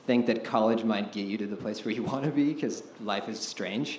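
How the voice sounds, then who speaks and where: An American-accented man speaks with ordinary pitch variation amid noticeable background noise and audible room echo. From California. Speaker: architect, design director. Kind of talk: lecture. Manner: fast.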